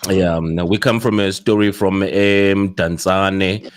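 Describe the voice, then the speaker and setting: A man's voice: low voice, steady tone, a little slow, clear, resonant tone. A South African man hosting a casual podcast discussion, talking in a rambling way with many fillers and restarts. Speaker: podcast host.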